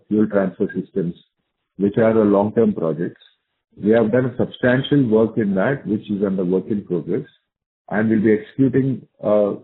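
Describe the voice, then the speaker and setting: A man with a lowish voice and an Indian accent responds to investors during a company conference call as an executive. He emphasizes his points by restating them, heard over a narrow phone line.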